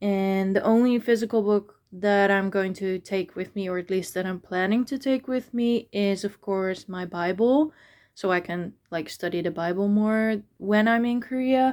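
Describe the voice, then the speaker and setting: Medium-pitched woman with a Dutch accent, hardly any pauses, on a very clean recording with a silent background. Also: ordinary pitch variation, moderate pace. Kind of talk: casual video chat.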